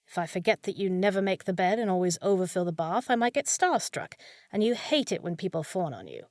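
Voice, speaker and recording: A woman's voice: lowish voice, very animated, a little fast, darkish tone, no room sound, clean studio sound. A woman playing a short, fussy young village housekeeper in a fantasy audio roleplay, proper and easily flustered, scolding yet caring. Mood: admiring, modest. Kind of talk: scripted fantasy audio roleplay, spoken to listener.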